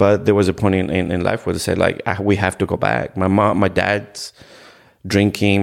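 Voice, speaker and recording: A man speaks with a Spanish accent. His voice is very deep and low, with fairly even intonation. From Ecuador. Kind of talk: casual interview conversation. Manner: halting, casual, with filler words.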